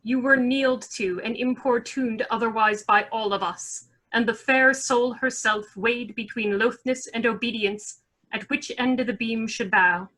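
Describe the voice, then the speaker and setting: A woman playing a mocking, sharp-tongued scheming lord in a Shakespeare radio play, with a dry sarcastic delivery. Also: a little high, fairly even intonation, a little slow. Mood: accusing.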